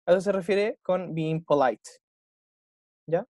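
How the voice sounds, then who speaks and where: Walking his class through a recorded dialogue, a patient English teacher with a Chilean Spanish accent tacks "¿ya?" or "¿cierto?" onto every point. He talks unhurriedly in a high-pitched but darkish voice, captured in a clean, echo-free studio.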